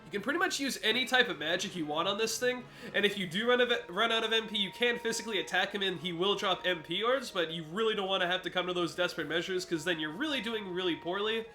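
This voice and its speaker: A man's voice: high voice, quick pace, hardly any pauses, pushed and bright. A congested man giving let's play commentary, explaining a game boss fight step by step to viewers. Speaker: gaming commentator.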